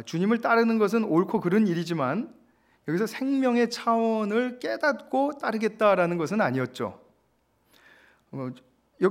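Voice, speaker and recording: A man preaching a sermon, explaining scripture with pauses, fillers and acted-out quotes. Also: high voice. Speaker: pastor.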